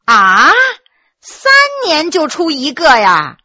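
A woman voicing a lively, sharp-tongued young butcher's daughter who mocks a new scholar. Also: sits high, slow pace, heavily acted. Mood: mocking. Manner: teasing, mocking.

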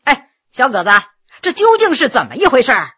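A woman's voice: sits high, huge pitch swings, a bit bright, husky, muffled recording, exaggerated voice. Woman playing a brash young nobleman. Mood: brusque. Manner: teasing, brusque, fast.

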